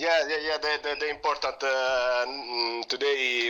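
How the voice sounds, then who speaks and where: With an Italian accent, a man speaks at a fairly slow pace over noticeable background noise. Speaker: sim racing driver. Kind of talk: post-race interview. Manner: halting.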